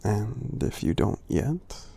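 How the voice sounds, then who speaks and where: Gentle, reassuring giant for ASMR roleplay, played by a man; low, heavily gravelly, breathy half-whisper. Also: very animated, full character voice. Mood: affectionate. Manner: slow, soothing, halting, reassuring. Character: friendly gentle male giant, tender and encouraging. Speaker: ASMR performer.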